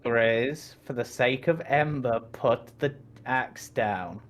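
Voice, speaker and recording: A man's voice: mid-range voice, slow, close to an everyday voice. A man voicing a polite, earnest adventurer who is new to the party, with hesitant fillers. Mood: pleading.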